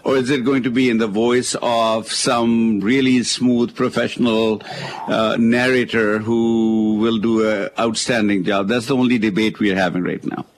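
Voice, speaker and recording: Male talk-radio expert, South Asian accent, medium pitch, conversational and halting, slight background noise. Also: steady tone. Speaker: legal expert and author on a radio call-in show.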